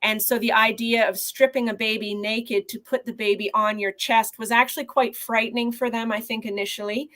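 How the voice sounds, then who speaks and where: A woman neonatologist from Canada answering interview questions over a video call in an earnest, measured way. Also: a little high, fairly even intonation, fairly bright tone. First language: not Portuguese. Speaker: neonatologist guest.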